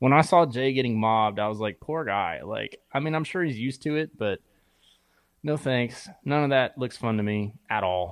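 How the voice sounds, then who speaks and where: A man with a normal speaking voice talks at a moderate pace and medium pitch. His intonation is lively, and the background is quiet. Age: 40s. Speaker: car enthusiast. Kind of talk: casual chat.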